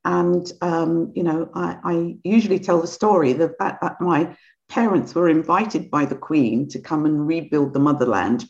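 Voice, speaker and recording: An older woman from Guyana, raised in London, telling her family story as a podcast guest, chatty and quick to laugh. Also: sits low, lo-fi sound. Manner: warm, laughs easily, storytelling. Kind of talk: casual interview chat.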